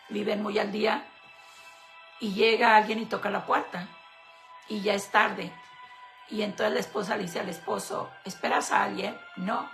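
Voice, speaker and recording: A woman co-hosting a Christian talk show, retelling a fable in an unhurried, storytelling way. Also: mid-range voice, creaky, fairly bright tone. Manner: unhurried storyteller, slows for emphasis.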